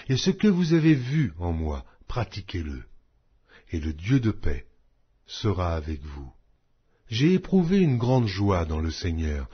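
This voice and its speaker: A man reading scripture as an audiobook narrator in a solemn, measured, declamatory style. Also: medium pitch, husky. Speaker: Bible narrator. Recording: dull, muffled lo-fi audio.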